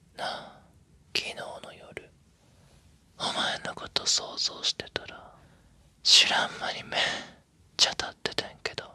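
Whispering at a very slow pace, the voice swings widely in loudness. The sound is dry with no echo. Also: man. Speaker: ASMR quiz host. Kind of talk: ASMR roleplay, quiz show hosting. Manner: intimate teasing whisper, drawn-out syllables. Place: studio. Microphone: studio mic.

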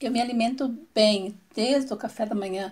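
Somewhat breathy, a woman with a fairly high pitch speaks with fairly even intonation. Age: 50s. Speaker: beauty and cooking YouTuber; cooking YouTuber. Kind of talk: casual vlog talk to viewers. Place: home room. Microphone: lapel.

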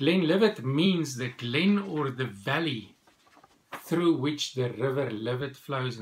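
Somewhat breathy, a man speaks at a very slow pace with ordinary pitch variation. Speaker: whisky reviewer. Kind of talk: casual review talk. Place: home room. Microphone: phone near.

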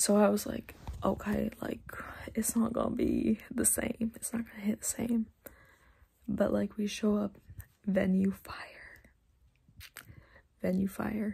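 A woman speaks quietly. Her speech has long, frequent pauses. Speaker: vlogger. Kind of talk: casual vlog chat. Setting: at home at night, thin walls. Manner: hushed, trying to be quiet. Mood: enthusiastic after concert. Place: home room. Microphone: phone near.

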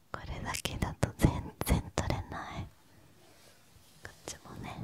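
A woman whispers at a fairly slow pace. Her loudness swings a lot. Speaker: ASMR creator; esthetician. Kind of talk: ASMR ear-cleaning role play. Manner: soft-spoken, caring. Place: home room. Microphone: studio mic.

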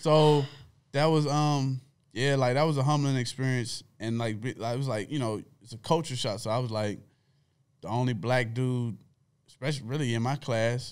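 At a moderate pace, a man speaks over a quiet background. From Washington DC. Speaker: former football player and comedian; podcast guest. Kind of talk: casual chat. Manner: animated. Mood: relaxed, humorous storytelling. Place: studio. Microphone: studio mic.

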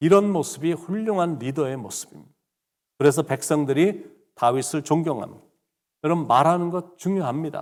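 This man uses a normal speaking voice with ordinary pitch variation. His pitch sits fairly high, and his pace is moderate. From Chungcheong, South Korea. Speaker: pastor. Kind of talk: sermon. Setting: online early morning prayer service. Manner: formal.

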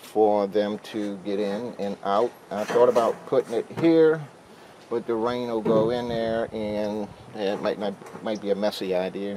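Over noticeable background noise, a man talks in a fairly low pitch with fairly even intonation. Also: fairly slow pace, dry sound with no echo. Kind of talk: tutorial. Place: open country. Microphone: camera far.

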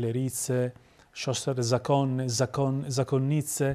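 A man speaks with an Italian accent and a fairly high pitch. His tone is dark and mellow. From northern Italy, Milan; northern Italy. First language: Italian (speaking Polish). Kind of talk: interview. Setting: TV studio. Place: studio. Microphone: lapel.

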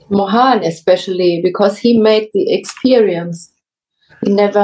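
Fairly even intonation marks this speech, which goes at a fairly slow pace. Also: woman. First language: German. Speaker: devotee, study group participant. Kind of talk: personal sharing and question. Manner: hesitant with fillers. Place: home room. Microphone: video call.

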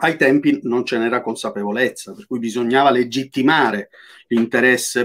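This man talks at a fairly quick pace in an unremarkable speaking voice. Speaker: business professor. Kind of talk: interview.

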